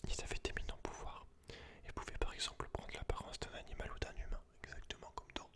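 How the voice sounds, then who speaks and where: A man speaks in a breathy, unvoiced whisper, informal and close to the listener, as in an ASMR reading. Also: fast. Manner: informal, slangy, talks directly to one listener. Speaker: ASMR creator. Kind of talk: whispered ASMR, casual commentary and reading aloud from a book.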